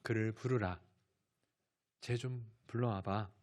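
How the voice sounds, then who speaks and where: A man doing a calm, low, gentle teacher. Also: slow. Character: calm, gentle male teacher speaking softly.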